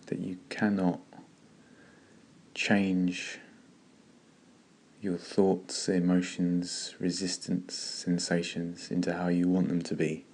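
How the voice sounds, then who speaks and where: A man leading a guided meditation in a slow, calm, gentle way with long pauses. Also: low-pitched.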